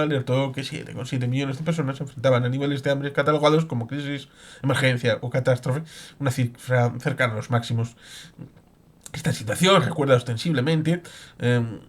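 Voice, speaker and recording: A man reading news reports aloud with commentary, in a halting delivery with hesitant pauses and asides. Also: mid-range voice.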